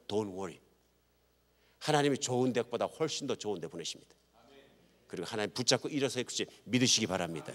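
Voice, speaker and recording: A man preaching a sermon to his congregation, emphatic, swinging from loud to hushed and joking with the listeners. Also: mid-range voice, big-room sound. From Chungcheong Province, Korea. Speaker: pastor. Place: church sanctuary.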